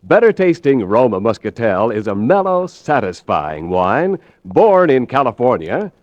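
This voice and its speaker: A man as radio announcer, reading a 1940s sponsor message in a smooth, salesy delivery. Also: mid-range voice, very animated, a little slow, no echo. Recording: dry, dull lo-fi vintage broadcast.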